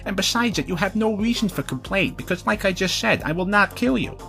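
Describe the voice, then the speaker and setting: A man's voice: high voice, animated, a little fast, creaky, a bit bright, faint music behind, pitched above the performer's own voice, heavily acted. A man voicing a blustering, menacing mob boss in a comic story, speaking broken English in a blunt, melodramatic way. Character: menacing, blustering male mob boss, cowardly when cornered.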